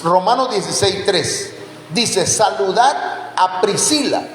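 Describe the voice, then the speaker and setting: Slow-talking preacher in an echoey hall. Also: male voice, high-pitched, expressive, a bit bright. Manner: quizzes the congregation with questions; addresses listeners as brothers. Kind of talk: Bible teaching sermon. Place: church hall. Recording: echoey church hall, faint background noise.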